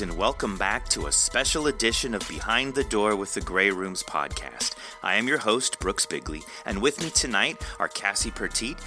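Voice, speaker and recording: A man hosting a casual behind-the-scenes podcast chat, informal and halting. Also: on the low side. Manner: halting, informal, mildly sweary. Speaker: podcast host.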